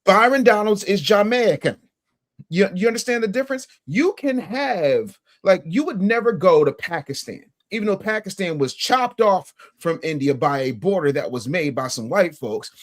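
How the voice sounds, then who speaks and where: A man's voice: high voice, lively intonation, normal speed. A man on a podcast panel arguing a point emphatically, lecturing with rhetorical questions. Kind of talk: heated panel discussion.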